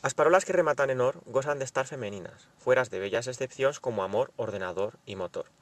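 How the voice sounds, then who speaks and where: A man's voice: mid-range voice, fast talker, no room sound. Man explaining a language lesson. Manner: careful, explanatory reading of example words. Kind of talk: scripted lesson narration.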